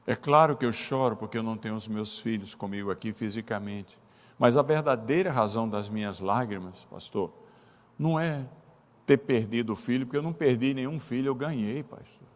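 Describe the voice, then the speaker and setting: A man's voice: mid-range voice, fairly quick, natural voice. A man voicing a grieving, devout old widow who speaks earnestly to her pastor, in a church hall. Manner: earnest, pleading address. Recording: long reverb of a church hall.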